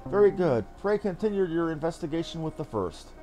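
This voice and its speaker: A man's voice: on the high side, lively intonation, fairly quick, warm tone, close to an everyday voice, low-quality recording. A man voicing a shrewd, composed military commander with formal, thoughtful phrasing. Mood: commanding. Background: game music.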